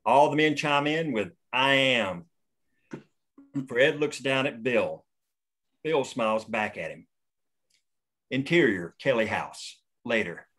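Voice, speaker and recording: A man reading screenplay stage directions at a table read in a steady, matter-of-fact way. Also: medium pitch, slow pace, long pauses. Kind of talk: reading screenplay action lines.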